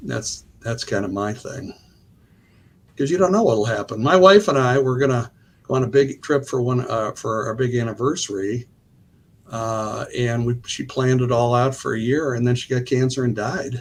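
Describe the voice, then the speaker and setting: Somewhat breathy, a man talks at a medium pitch and moderate pace with ordinary pitch variation. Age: 70s. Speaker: caller on a livestream. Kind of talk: casual debate. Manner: halting.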